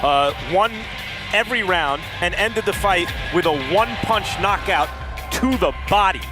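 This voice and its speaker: A man's voice: high-pitched, expressive, a little slow, over music. A man giving boxing analysis on a broadcast, speaking plainly and bluntly with some fillers.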